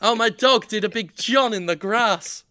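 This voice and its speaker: A man co-hosting a comedy podcast, playful and joking in quick banter. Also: high-pitched, bright, forceful tone, a little hiss or hum. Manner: playful, joking, puts on silly voices. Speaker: podcast co-host.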